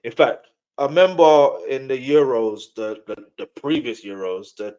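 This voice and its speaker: Casual male interviewer, medium pitch. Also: expressive, unhurried, a little mellow, clean tone, dull audio. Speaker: interviewer, host.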